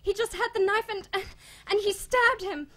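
A helpless nun in shock, played by a woman. Her voice is extremely high, distraught and halting, in dramatic radio-play acting. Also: steady tone, a bit bright. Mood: terrified, tearful.

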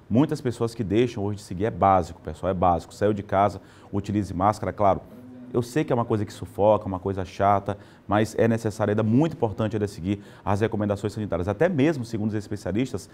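A man's voice: on the low side, darkish tone. A man anchoring a live morning news show from a studio, chatting directly to viewers. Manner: conversational, addresses viewers directly.

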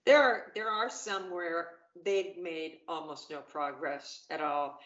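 Woman, middle-aged, lowish voice, roomy dull webcam sound, chatty. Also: fairly even intonation, slow, a bit bright. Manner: chatty, upbeat, many fillers and restarts. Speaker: panel guest. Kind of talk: casual video-call chat. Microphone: video call webcam.

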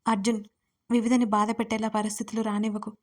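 A woman's voice: mid-range voice, flat delivery, quick pace, natural voice. A woman reading the lines of a frank, caring young man, a friend in a narrated audio story, direct and urging. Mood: earnest.

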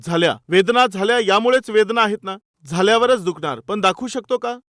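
A man's voice: high voice, a little fast, fairly bright tone, no echo, studio quality. A man preaching a sermon with stories. He is emphatic, asks his listeners rhetorical questions and acts out the dialogue. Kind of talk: sermon with storytelling.

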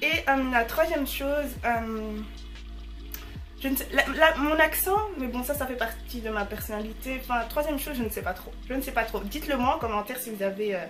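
A woman's voice: a little high, a little fast, a bit bright, faint music behind. A woman in her early twenties chatting casually to camera as she answers viewer messages, bubbly and full of slangy fillers.

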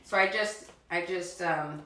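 A middle-aged children's cooking show host gives a live demonstration in her home kitchen, chatting warmly and encouraging the kids she speaks to directly. Her somewhat low, slightly bright voice moves at a measured pace. Slight background noise accompanies the roomy, distant sound from a far camera.

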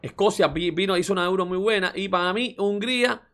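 A man's voice: sits high, a little fast, fairly bright tone. A man giving casual, slangy football commentary on his channel, exasperated and ranting, often calling the listener brother. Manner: loose and slangy, with mild swearing. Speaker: football YouTuber.

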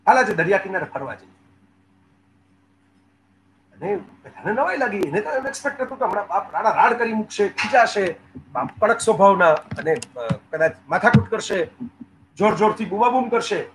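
A man's voice: high voice, expressive, a little fast, a little hiss or hum, low-quality recording. A middle-aged man giving a motivational storytelling talk, earnestly speaking to his viewers. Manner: earnest storyteller, quoting dialogue in the speakers' voices; addresses viewers directly.

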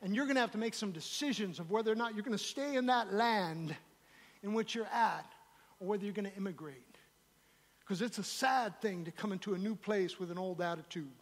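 High-voiced American pastor preaching in hall. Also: male voice, a little fast. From United States. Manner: preaching with emphatic repetition, swinging between loud declarations and low asides. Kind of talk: live sermon. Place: church hall. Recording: live church sermon with long hall reverb.

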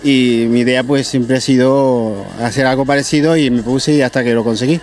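A man with a middle-pitched voice explains his craft plainly and modestly. He stands outdoors at a market stall, answering a reporter. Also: fairly even intonation, moderate pace, a little mellow, slight background noise. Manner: plain, modest, matter-of-fact. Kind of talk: casual explanation.

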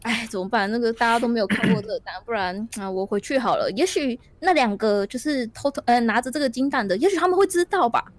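A woman's voice: on the high side, fast talker, hardly any pauses, lightly acted. A woman voicing a lost, earnest young time traveler in a tabletop storytelling game, calling out questions in a raised voice. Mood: musing.

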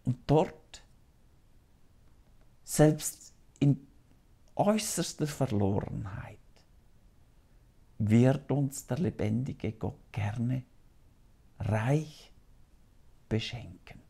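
A priest in his fifties preaches a solemn sermon to camera from a small TV studio. He speaks very slowly and earnestly, in a dark, mellow voice with a gravelly edge. The lapel mic keeps him close and clear. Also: mid-range voice, lively intonation. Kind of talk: televised sermon.

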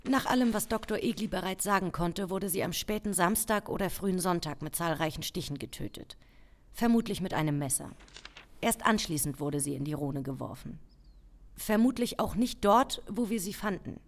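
An actress playing an authoritative female police chief in an audio crime drama, formal, measured and commanding. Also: on the low side, expressive. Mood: calm, formal. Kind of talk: German audio drama acting.

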